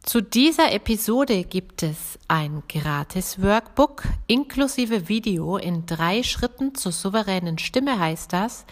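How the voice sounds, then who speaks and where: A woman's voice: medium pitch, animated, takes it slowly, few pauses. A woman voice coach hosting a podcast, speaking directly and encouragingly to the listener.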